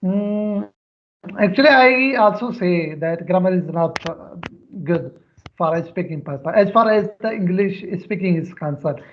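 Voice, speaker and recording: A Pakistani schoolteacher from near Karachi, whose first language is Sindhi, is a guest in a casual English practice conversation. He answers questions in careful, earnest English, his notably high, animated voice pausing often with filler sounds and hesitations. The online call sounds muffled and lo-fi, with a little hiss or hum.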